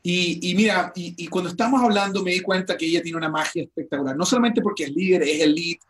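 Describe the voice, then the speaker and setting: Upbeat high-voiced man hosting. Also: quick pace, a bit bright. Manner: enthusiastic, stammering restarts. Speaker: host. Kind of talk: motivational interview.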